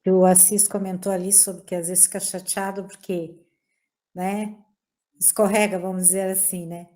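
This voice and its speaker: A woman's voice: medium pitch, little pitch movement, moderate pace, warm tone. A woman making a brief explanatory comment in a group discussion over a video call. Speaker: study group participant.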